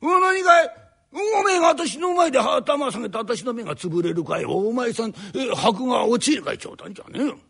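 A man's voice: very high-pitched, expressive, brisk, creaky, a bit bright, husky, heavily acted. A man doing a sneering old landlord. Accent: Edo downtown speech. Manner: sneering, condescending, drawn out. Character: haughty older male landlord, stingy and spiteful. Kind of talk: rakugo storytelling.

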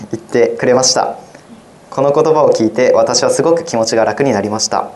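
Teenage boy reading his essay plainly. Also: medium pitch. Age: teens. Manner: plain, even-paced reading. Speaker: high school student. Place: radio studio.

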